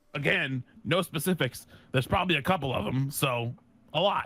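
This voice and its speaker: Here a man does a put-on character voice, raspy and fairly high in pitch. He moves at a fairly quick pace. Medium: actual play. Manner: haughty yet flustered, lazy.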